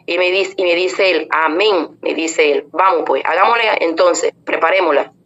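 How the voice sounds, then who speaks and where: A church member, a woman, gives an earnest spoken testimony, calling her listeners brothers and sisters and recounting conversations in quoted speech. Her voice is on the low side and fairly bright, at a normal speed. The recording is dull and lo-fi with faint noise.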